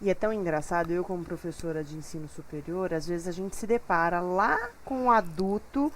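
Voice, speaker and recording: A woman with a Brazilian Portuguese accent hosting a TV studio interview, lively, chatty and playful. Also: lowish voice, brisk. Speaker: TV talk show host.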